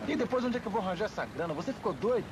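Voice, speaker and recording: An actor playing an exasperated, principled pilot in a dubbed action comedy film, with noise behind him. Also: male voice, high-pitched, big pitch swings, rapid-fire.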